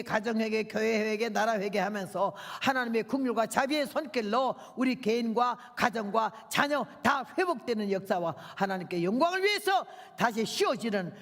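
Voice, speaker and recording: Older woman, missionary preacher, fiery rambling sermon, gravelly, echoing church hall. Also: fairly high pitch. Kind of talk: revival sermon. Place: church sanctuary. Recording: long church hall reverb.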